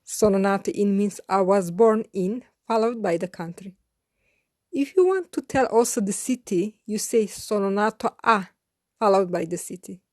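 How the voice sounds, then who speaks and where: A woman teaching a beginner lesson in a slow, scripted way, spelling out each phrase carefully and repeating it. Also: medium pitch, animated, darkish tone, no echo, clean studio sound. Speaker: language teacher.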